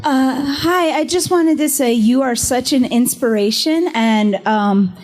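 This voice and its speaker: A woman's voice: sits high, measured pace, darkish tone. A woman in the audience asking a guest a question, earnest and a little hesitant.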